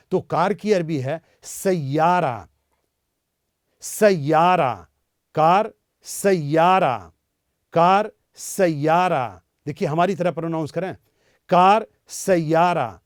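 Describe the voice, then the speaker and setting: A male language teacher giving a beginner lesson, repeating each word slowly so listeners can say it after him. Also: a little high, a little mellow, no echo, clean studio sound.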